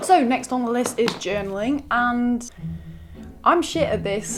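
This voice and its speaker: The speech moves at a fairly slow pace while music plays in the background. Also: woman. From UK. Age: young. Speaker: filmmaker, artist. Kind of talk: casual talk to camera.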